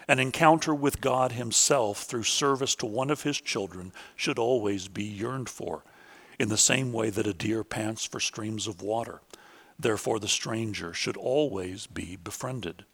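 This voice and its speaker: Measured man giving a scripted lecture. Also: fairly low pitch, a bit bright, husky. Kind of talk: scripted academic lecture, reading quotations.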